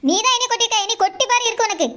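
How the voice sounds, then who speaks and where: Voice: extremely high pitch, very fast, bright, forceful tone. A performer voicing a grumbling, suspicious village woman in a cartoon, complaining and accusing in a southern Tamil Nadu accent. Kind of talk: Tamil cartoon character dialogue.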